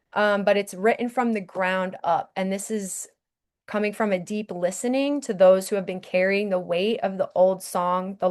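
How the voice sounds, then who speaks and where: A woman hosting a spiritual podcast who talks in an earnest, urging way and often checks in with the listener. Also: medium pitch. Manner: earnest, urging, repeats "okay?". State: briefly emotional. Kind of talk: impassioned spiritual talk.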